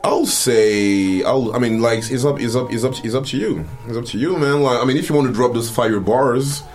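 A man's voice: mid-range voice, normal speed, faint music behind. A man from Cameroon hosting a casual podcast chat, talking loosely with many fillers and restarts. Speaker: podcast host.

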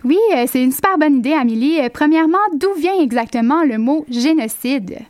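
A woman's voice: high voice, a little fast, a little mellow, no echo. A woman hosting a radio magazine, asking curious, prompting questions. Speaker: radio show host.

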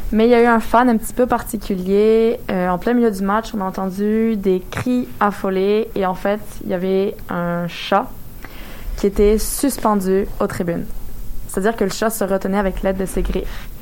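A young woman with a Québécois accent hosts a light news segment in casual radio chat, chatty and quick to laugh, with hesitant fillers. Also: medium pitch, fairly even intonation, a little mellow, slight background noise.

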